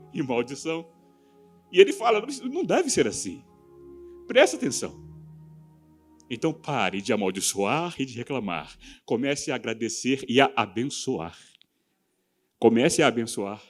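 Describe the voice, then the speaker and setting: A Brazilian pastor preaching to his congregation in a fairly high voice, swinging between fervent, raised exhortation and quiet earnest stretches. Soft music plays faintly behind him in the church. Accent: Brazilian Portuguese. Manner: impassioned preaching, swinging from loud exhortation to hushed. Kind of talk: live sermon. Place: church service.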